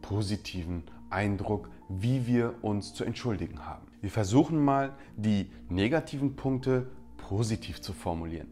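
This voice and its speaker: A man's voice: fairly low pitch, warm tone. A man presenting rhetoric tips in an instructional talk, speaking directly to his viewers and acting out example apologies.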